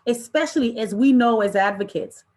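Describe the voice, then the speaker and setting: A woman presenting an interactive online training session in an impassioned, deliberate way, with emphatic repetition and rhetorical questions. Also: a little high, a little mellow. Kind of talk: impassioned interactive workshop talk to an online audience.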